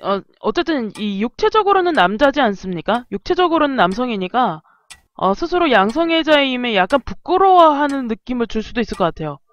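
Animated high-voiced woman streamer. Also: brisk. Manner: animated, exasperated reactions. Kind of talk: game let's play commentary.

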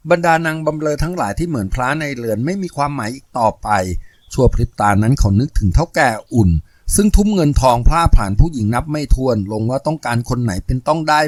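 A man reading a novel aloud in steady, measured scripted narration. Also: medium pitch, no echo, clean studio sound. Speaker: audiobook narrator.

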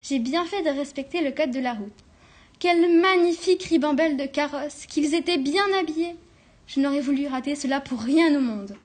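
Girl reading as high-voiced little red riding hood, prim, lectures everyone. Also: moderate pace, a little mellow, lightly acted. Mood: delighted. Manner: indignant, scolding. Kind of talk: school class reading a storybook.

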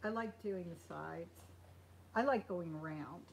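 A woman's voice: fairly low pitch, measured pace, creaky, rough recording. A woman in her sixties chatting casually on a live stream while hand sewing at a table in a small sewing room, with frequent ums and restarts.

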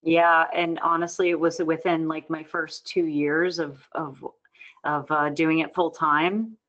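A woman's voice: deep voice, little pitch movement, a little slow, a bit bright, muffled recording. Nasal woman, candid and laughing. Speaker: voiceover coach. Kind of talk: casual webinar chat.

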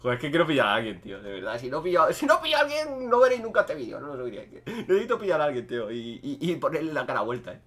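A young man talks over his gameplay in a casual, joking way. His voice sits a touch high for a man and leaps around a lot, from loud sudden outbursts down to quiet muttering asides. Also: big pitch swings, racing, hardly any pauses. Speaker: gaming streamer.

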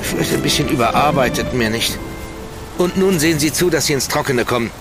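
A man's voice: medium pitch, fairly quick, creaky, loud music behind the voice, lightly acted. An actor playing a feverish, haunted nobleman who is losing his mind, in a radio drama. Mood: weary. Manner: haunted, feverish, erupting into screams. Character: aristocrat Sir Trellos sliding into madness. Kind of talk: German radio drama acting.

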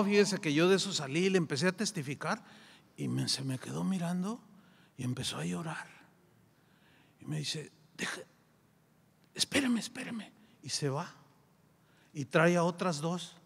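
A man with a Mexican accent preaching a sermon, telling a story with lively acted-out dialogue. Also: high voice, gravelly, breathy edge. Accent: Mexican Spanish. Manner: animated storyteller, acts out dialogue. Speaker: pastor. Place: church sanctuary. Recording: long church hall reverb.

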